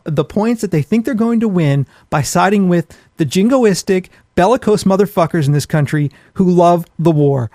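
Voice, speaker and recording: Guy podcast host ranting, sweary and blunt, kinda high voice, dry close sound. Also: a little mellow, dry recording. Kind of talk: ranting casual podcast talk. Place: small home office.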